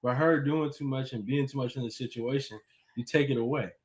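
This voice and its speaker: A man co-hosting a live relationship advice show, talking in halting, laid-back casual chat full of fillers and greeting viewers. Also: mid-range voice, a little hiss or hum, low-quality recording.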